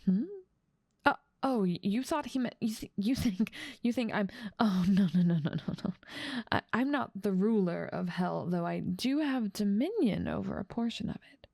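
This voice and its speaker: A woman's voice: mid-range voice, animated, normal speed, gravelly, warm tone, dry recording, studio quality. A woman playing a haughty, dominant demon lord who mocks and teases the listener in a scripted ASMR roleplay. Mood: amused, curious. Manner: dominant, amused, mocking, theatrical. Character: haughty, teasing female demon lord ruling part of hell.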